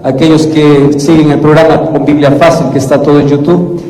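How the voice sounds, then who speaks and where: A man preaching a sermon in a measured way, lifting his voice for emphasis when he quotes what others say. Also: on the high side, flat delivery, mellow. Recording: echoey hall with long reverb.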